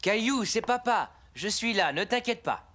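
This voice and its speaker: A man playing a calm, reassuring young father in a cartoon, patient and gentle. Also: sits high, normal speed, heavy background noise. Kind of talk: cartoon dubbing. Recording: music behind the voice.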